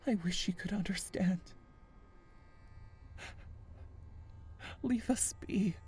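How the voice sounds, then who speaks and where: A middle-aged wife in a game drama, grieving and bitter. Her medium-pitched voice is husky and weary as she pleads. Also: moderate pace, a little mellow.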